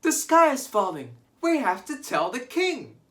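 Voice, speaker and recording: A man voicing a frantic flock of small farm birds, shouting in a shrill, panicked way. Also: sing-song, a little slow, heavily acted.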